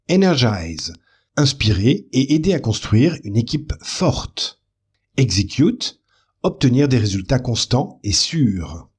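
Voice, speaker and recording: A man reading scripted corporate training narration as an e-learning narrator, calm and explanatory. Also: mid-range voice, breathy edge. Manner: calm, explanatory, pleasant delivery.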